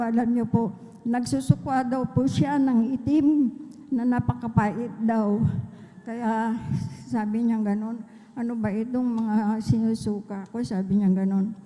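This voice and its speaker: Middle-aged woman from the Philippines, church testimony; earnest storyteller who quotes others and adds praise, dark mellow tone, big hall reverb. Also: fairly high pitch. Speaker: church member giving testimony. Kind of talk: personal religious testimony.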